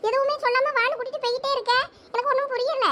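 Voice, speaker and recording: A performer voicing a nosy young village woman friend in a very high, shrill cartoon voice with a Thoothukudi Tamil accent. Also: steady tone, racing, bright, forceful tone. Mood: questioning.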